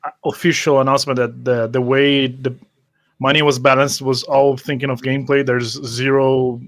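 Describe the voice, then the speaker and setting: Male tabletop player, average pitch, casual group chat, dry sound with no room echo. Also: level tone, normal speed, fairly bright tone.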